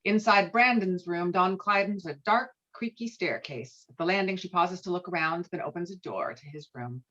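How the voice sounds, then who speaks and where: A woman's voice: on the low side, normal speed, a bit bright. A woman reading stage directions as scripted narration, heard through muffled call audio.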